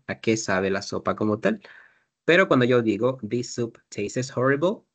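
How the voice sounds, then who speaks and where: A male English teacher with an ordinary mid-height pitch for a man teaches a class. He walks through grammar patiently, one step at a time, and then drills pronunciation word by word.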